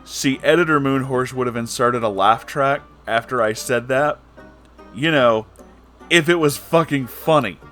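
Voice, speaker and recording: A man's voice: medium pitch, measured pace, a bit bright, faint music behind. A man giving casual, sweary commentary on a book as host, sarcastic and emphatic in his delivery. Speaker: host of a book reading series.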